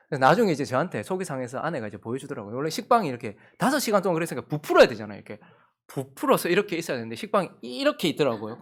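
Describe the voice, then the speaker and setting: Animated Korean pastor telling a story. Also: male voice, on the high side. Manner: storytelling, acts out the quotes, leads congregational reading. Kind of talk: sermon with a family story. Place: church sanctuary.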